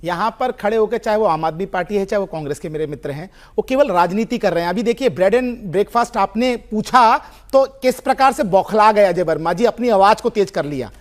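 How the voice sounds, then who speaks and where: A man's voice: high-pitched, expressive, a little fast, few pauses. A man speaking as a political panelist in a heated TV debate, answering with firm, pointed rebuttals.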